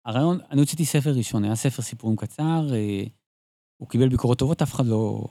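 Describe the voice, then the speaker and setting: A man in a casual conversation as a guest writer, telling stories in an animated, digressive way with frequent restarts. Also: medium pitch, no echo.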